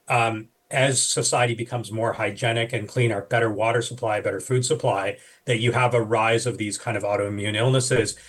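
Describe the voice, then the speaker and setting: Doctor guy on a radio panel, explains slow and careful, lots of ums, mid pitch. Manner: thoughtful, explanatory with fillers and restarts. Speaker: physician guest.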